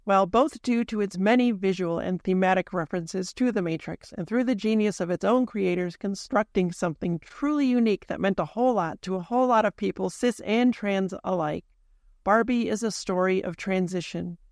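A host analyzing a film in deliberate video essay narration, then chatting casually with a guest. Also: mid-range voice, a little mellow, no echo, clean studio sound. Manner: deliberate, analytical, reads out timestamps.

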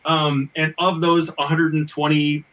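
A man's voice: a little high, level tone, slow, fairly bright tone, far from the mic, poor audio. A man hosting a casual panel talk, repeating and stammering over words as he reasons aloud. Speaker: podcast host; screenwriter and fiction writer. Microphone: video call.

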